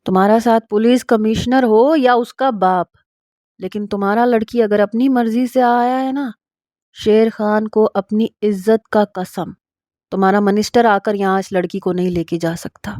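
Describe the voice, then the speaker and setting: A woman's voice: medium pitch, fairly even intonation, a little mellow, no room sound, studio quality, close to an everyday voice. Fields: Figure: stern old council chief, voiced by a woman. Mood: menacing. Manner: menacing, commanding.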